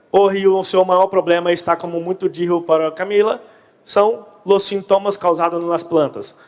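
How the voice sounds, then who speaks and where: A Brazilian man, a native Portuguese speaker, giving a conference presentation in Portunhol, a mix of Portuguese and Spanish. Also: high-pitched. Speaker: conference speaker on pest control. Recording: echoey hall, long reverb.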